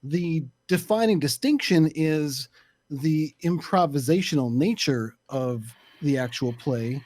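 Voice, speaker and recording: Higher-pitched man, deliberate explainer. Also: a little mellow, no room sound. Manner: deliberate, searching for words. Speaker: panelist, actual play creator. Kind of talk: casual discussion, explaining opinions.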